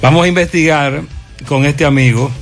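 Emphatic Dominican man, slightly high voice. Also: normal speed, soft background music. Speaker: radio host. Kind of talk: opinionated talk radio commentary.

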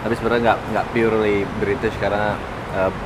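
A young musician talks in a relaxed, halting way, often pausing to find his words. His voice sits a little low. The recording is outdoors with clear street and traffic noise behind him. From Indonesia. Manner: hesitant, searching for words. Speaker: musician guest, bassist and singer. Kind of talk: casual interview chat.

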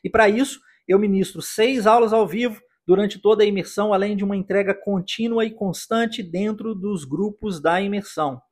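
A Brazilian man teaching an English lesson, upbeat, slowly drilling phrases for his listeners to repeat. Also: sits high. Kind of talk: English lesson for Portuguese speakers.

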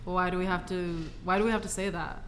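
Chatty woman from Russia, lowish voice. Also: steady tone, brisk, a little hiss or hum. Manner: chatty, lots of "like". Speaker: guest. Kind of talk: casual panel chat.

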